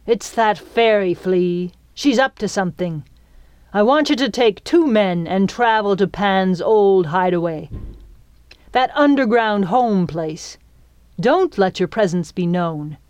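A woman's voice: medium pitch, expressive, slow, darkish tone, dry recording. Woman playing a menacing, growling pirate captain. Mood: gruff, commanding. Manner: growling, hissing, commanding.

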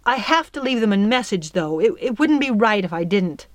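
A woman's voice: mid-range voice, lively intonation, no room sound, natural voice. A woman as an earnest, impulsive young girl. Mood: hesitant. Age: child. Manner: earnest, pleading, halting. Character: eager, doubtful, impulsive young orphan girl.

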